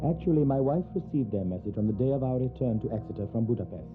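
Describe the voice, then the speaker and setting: A man acts a sober gentleman recounting gothic horror as a radio drama narrator. His delivery is measured and formal at a middle pitch, with prominent music behind and a thin, phone-like sound. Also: lively intonation, close to an everyday voice. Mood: sober, reflective. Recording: tinny narrow band, music behind.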